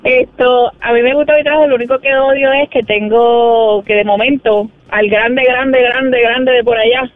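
A man's voice: extremely high pitch, fairly even intonation, moderate pace, hardly any pauses, no echo. A man calling in anonymously, speaking frankly and wearily about his call center job. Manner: frank, tired, keeps it brief. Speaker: caller, call center worker. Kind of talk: phone call-in complaint. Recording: tinny phone line.

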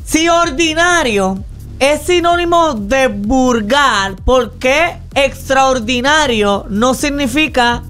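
A woman's voice: high-pitched, slow pace, a bit bright, soft background music. A woman with a Puerto Rican accent co-hosting a joking radio call-in show, casual and chatty. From Puerto Rico. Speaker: radio co-host.

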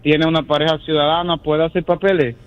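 A man's voice: on the high side, little pitch movement, fast. A man calling in to a radio show, asking his question plainly. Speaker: caller. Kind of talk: phone call to a radio show. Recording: muffled phone line.

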